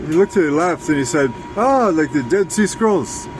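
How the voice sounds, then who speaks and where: A man interviewing casually in a halting, rambling, digressive way. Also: expressive. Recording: noisy, air conditioning and traffic rumble.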